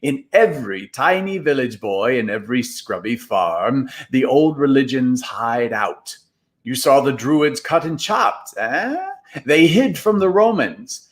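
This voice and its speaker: A man voicing an eerie, ancient male guide who declaims slowly and grandly. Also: medium pitch, big pitch swings. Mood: lecturing. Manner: drawling, slow, grandly declaiming.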